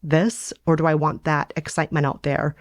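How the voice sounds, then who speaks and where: A woman chatting reflectively and conversationally as a host on a relaxed bedtime podcast. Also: low voice, normal speed, no room sound, clean studio sound.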